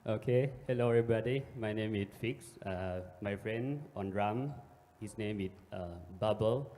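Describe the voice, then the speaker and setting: Low-voiced young man, hesitant intro. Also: normal speed, mellow, slight background noise. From Thailand. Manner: brief, hesitant. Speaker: musician. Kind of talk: stage introduction. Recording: reverberant hall with faint ambience.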